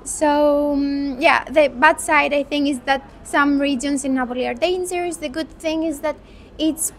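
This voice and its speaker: A Greek medical student in her twenties, answering interview questions in a thoughtful, unhurried way with some restarts. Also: high-pitched, fairly even intonation, slight background noise. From Greece. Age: 20s.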